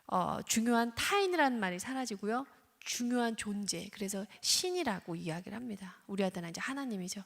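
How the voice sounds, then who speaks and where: A woman's voice: mid-range voice, expressive, fairly quick, vocal fry. Engaging woman lecturing in a church hall. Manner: engaging, asks the audience questions, acts out examples. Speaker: lecturer and counselor. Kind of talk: lecture at a weekday church service. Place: church sanctuary.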